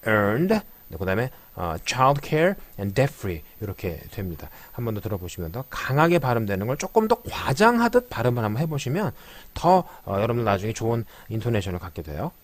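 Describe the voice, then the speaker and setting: A male language teacher with a lively, swinging pitch, speaking in a dry, close setting. He explains patiently and slowly repeats phrases to show where the stress falls, dotting his talk with short fillers. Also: no room sound. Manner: frequent filler affirmations. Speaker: English pronunciation teacher. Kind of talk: spoken language lecture.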